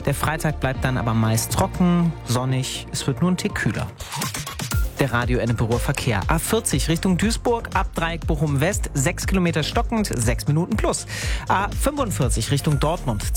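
Lively, chatty male morning radio host. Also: a little high. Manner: chatty, upbeat, talks straight to listeners. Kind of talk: casual radio presenting. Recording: music bed under the voice.

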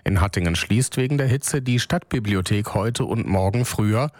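A man reading scripted regional news on the radio in a calm, measured, even delivery. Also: fairly low pitch, no room sound, clean studio sound. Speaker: newsreader. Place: radio studio. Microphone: close studio microphone.

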